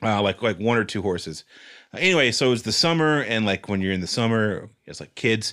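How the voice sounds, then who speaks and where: A man with an American accent and a normal speaking voice talks at a fairly quick pace with a medium pitch and lively intonation, in a very clean recording with a silent background. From rural North Carolina. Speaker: TV writer and podcast producer. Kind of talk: casual chat.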